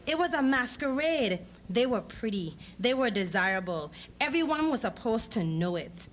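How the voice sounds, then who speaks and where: A woman reading a story aloud at a live event, in measured, expressive phrases. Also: fairly high pitch, slight background noise. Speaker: author reading a short story at a public event. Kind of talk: dramatic literary reading of narrative prose with acted dialogue. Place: live lecture event before an audience.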